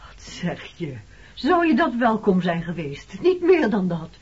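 A woman's voice: mid-range voice, sing-song, a little slow, a little mellow, slightly rough, exaggerated voice. An actress playing a weary, defensive woman in her thirties, haunted by her wartime past, in a radio play. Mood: agitated, weary. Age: 30s. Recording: dull old radio play recording.

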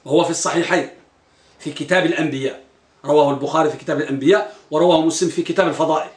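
A man's voice: fairly high pitch, fairly even intonation, very fast, reverberant. A man teaching an Islamic lesson, reciting Quran verses and quizzing his listeners with questions. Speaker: religious teacher.

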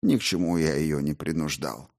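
A man's voice: a bass voice, normal speed, vocal fry, voice pushed down, heavily acted. A man voicing a cocky, defiant schemer who brushes off accusations, in a storybook reading. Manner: indignant, then calm and dismissive.

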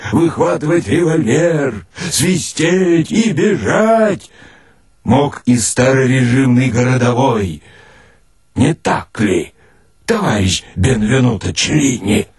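A man reading a first-person literary story in a theatrical, dramatic and deliberate manner. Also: mid-range voice, darkish tone, slightly rough, no echo, studio quality. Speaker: narrator, reader.

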